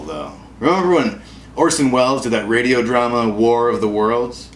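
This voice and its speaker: An American man hosting a comedy show with a casual, wry, self-deprecating and sarcastic monologue. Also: mid-range voice. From Wisconsin, United States. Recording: echoey room with clear background noise.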